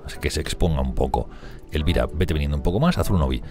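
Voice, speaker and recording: A man commenting on a strategy game he is playing, talking fast and excitably, swearing and laughing often. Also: rumbling low, over music. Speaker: gameplay streamer.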